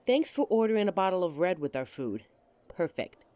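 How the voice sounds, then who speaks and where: A woman's voice: fairly low pitch, big pitch swings, moderate pace, dark tone, dry recording. A woman playing a giggly, teasing date. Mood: friendly. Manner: teasing and giggly, laughs often. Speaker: voice actress in an audio roleplay. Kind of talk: audio roleplay addressing the listener as a date.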